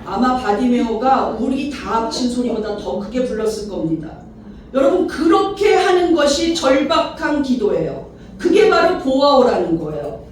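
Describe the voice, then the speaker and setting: A woman pastor giving an animated sermon at a church retreat, acting out the cries she quotes. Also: fairly high pitch, normal speed, noisy background. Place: church sanctuary. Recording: echoey hall, mic at a distance.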